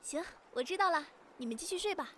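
A woman's voice: very high-pitched, lively intonation, quick pace, bright, forceful tone, a little hiss or hum, exaggerated voice. A young woman acting a caring, teasing younger sister in an audio drama. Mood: exasperated. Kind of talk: fan audio drama dialogue.

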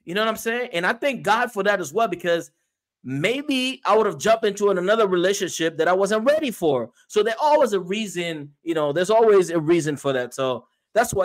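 A middle-aged man from Haiti, a guest and emotional health coach, chatting earnestly on a video call. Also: sits high. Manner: earnest, animated storyteller. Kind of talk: casual chat on a video call. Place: small room at home. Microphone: video call webcam.

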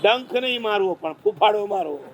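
A man preaching a sermon, telling lively stories and teasing the audience with questions. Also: sits high, normal speed, a little hiss or hum. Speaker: Jain monk preacher.

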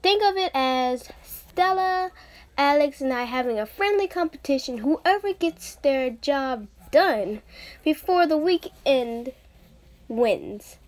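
A woman's voice: high voice, lively intonation, slow. A woman playing a teasing, reassuring young female friend in a playful audition reading.

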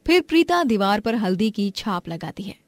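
A woman's voice: medium pitch, sing-song, normal speed, no echo, clean studio sound. A woman with an Indian accent giving scripted story narration.

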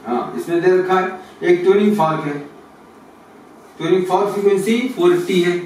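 A man's voice: high-pitched, steady tone, moderate pace, a little mellow. Man explaining physics in an echoey room. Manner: addresses students as kids, asks and answers his own questions. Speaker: physics teacher. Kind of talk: explaining exam solutions. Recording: echoey room, mic far off, noisy.

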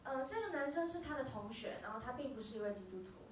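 A woman interpreting a live talk, rattling along at a fast clip and catching herself with little hesitations. Her voice sits a bit high. She is picked up from a distance in a very echoey club room with faint noise behind her. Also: lively intonation. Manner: quick, with filler hesitations. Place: small dark music venue. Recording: roomy venue, from far off.

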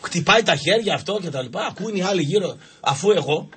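With a little hiss or hum in the recording, a high-pitched man on a radio show tells lighthearted anecdotes from the studio as a guest. He is animated and brings his stories to life by acting out the voices.

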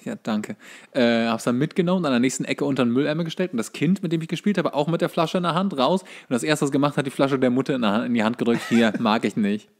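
A man's voice: mid-range voice, fast. A man co-hosting a podcast, griping emphatically in casual, humorous banter. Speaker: podcast co-host and actor telling casting stories.

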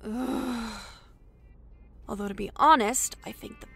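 A woman's voice: on the high side, takes it slowly, vocal fry, fairly bright tone, faint music behind, full character voice. A woman playing a sardonic, defensive researcher who swings from formal to flippant in a comedic audio drama log. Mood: exasperated. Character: snarky, defensive female paranormal researcher, adult.

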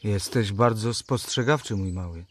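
A man's voice: fairly low pitch, normal speed, a little hiss or hum, close to an everyday voice. A man playing a guarded, wry thirty-seven-year-old in a radio drama.

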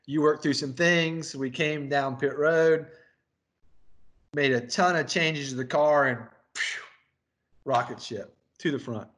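A man's voice: fairly high pitch, slow, a bit bright. A man, a crew chief, chatting casually with his race engineer and telling a rambling story with laughter. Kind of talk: casual chat interview.

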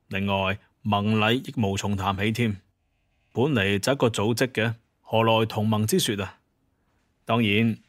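Guy acting as a hunter clan boss, lowish voice, measured n sure of himself, dry studio sound, audio drama. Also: no echo, lightly acted. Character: confident monster-hunter clan chief, male, courteous but authoritative. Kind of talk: Cantonese audio drama dialogue.

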